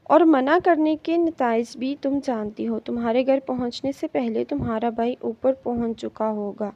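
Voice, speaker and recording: A woman's voice: on the high side, dull audio. A woman reading the lines of a stern, controlling male professor who gives cold orders. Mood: commanding.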